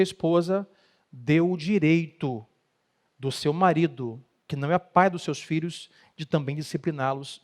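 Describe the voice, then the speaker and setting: A middle-aged man with a Brazilian Portuguese accent, a pastor preaching emphatically on marriage. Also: fairly high pitch. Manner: emphatic preaching, acts out quoted spouses. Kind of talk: sermon talk on marriage.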